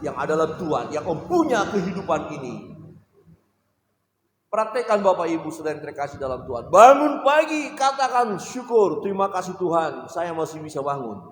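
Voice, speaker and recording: Male pastor, high pitched, booming sermon with shouted peaks and call-and-response, echoey church hall. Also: a little hiss or hum. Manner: swings from low asides to shouted, drawn-out exhortation; calls for amens and has the congregation repeat phrases. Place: church service.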